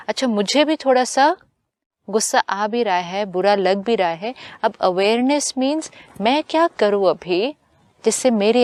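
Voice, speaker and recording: A woman with an Indian accent, a spiritual teacher speaking slowly and gently in a calm conversation. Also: medium pitch, dry recording, clean studio sound. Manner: slow, gentle, deliberate speech mixing in English phrases.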